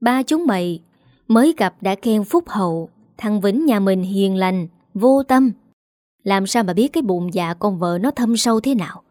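Harsh scolding old mother-in-law, contemptuous, read by a woman storyteller; mellow voice. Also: medium pitch, expressive, measured pace, dry recording, studio quality, lightly acted. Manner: cutting and contemptuous.

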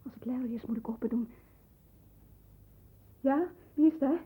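A meek, devoted young former streetwalker in a 1960s radio play. Her is hesitant and deferential, in a highish, breathy voice. The old recording is muffled and thin. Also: normal speed. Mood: nervous. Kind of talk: 1960s Dutch radio drama acting.

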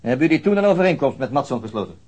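An actor playing a calm, persistent male detective questioning a suspect in a radio drama, dry and insistent. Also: mid-range voice, rapid-fire, husky. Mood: steady. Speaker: interrogating detective.

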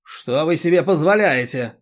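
A man's voice: on the high side, animated, normal speed, pitched above the performer's own voice, lightly acted. A man reading an audiobook, voicing an angry, exasperated disabled man who snaps indignantly. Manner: indignant, snapping.

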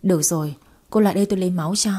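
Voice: mid-range voice, dark tone, natural voice. Woman doing a firm cautious doctor. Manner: firm, quick. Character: cautious hospital doctor, firm then relenting.

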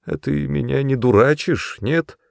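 A man voicing a timid old grandmother who speaks softly in a raised voice and giggles as she gets tipsy. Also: measured pace, gravelly, dry recording, clean studio sound. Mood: timid, giggly. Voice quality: higher, soft, giggling.

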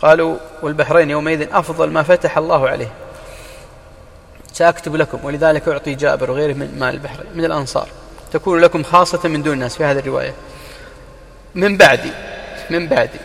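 Sheikh guy preaching fast and fired up, higher voice, slips into everyday asides, long echo like a big mosque hall. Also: steady tone, creaky. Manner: fervent, climbs high in pitch for emphasis and repeats key phrases; mixes classical recitation with colloquial asides. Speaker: sheikh teaching the Prophet's biography. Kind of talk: impassioned religious lecture.

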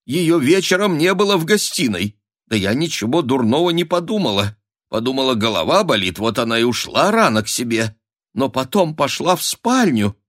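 A shrill, melodramatic old countess, put on by a man reading. She wails and gasps her words in high-strung bursts, every sentence a small catastrophe, in a dry, close sound. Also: big pitch swings, normal speed, a bit bright, no room sound. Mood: distraught. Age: older. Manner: wailing, breathless, melodramatic exclamations. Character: hysterical aging countess mother, shrill and dramatic.

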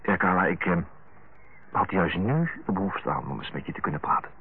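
A man's voice: sits low, animated, fairly quick, a little hiss or hum. A male actor playing an earnest, affectionate middle-aged younger brother in a radio drama, speaking hesitantly and correcting himself as he searches for tactful, frank words. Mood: earnest, tender. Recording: tinny narrow-band old radio recording.

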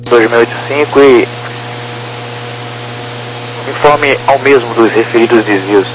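A man's voice: mid-range voice, measured pace. Brazilian male air traffic controller, noisy radio. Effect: aviation radio transmission. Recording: noisy aviation radio with hum.

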